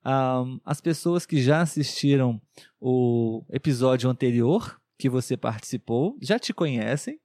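A man hosting a language-learning podcast, speaking in a clear, measured, encouraging way and often checking in with his guest. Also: fairly high pitch, darkish tone, no room sound, studio quality. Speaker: podcast host.

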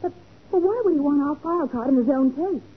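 An actress playing an eager, inquisitive detective's assistant in a 1940s radio crime drama, full of wide-eyed questions. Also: female voice, sits high, animated, brisk. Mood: eager, puzzled. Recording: noisy, phone-like 1940s radio recording.

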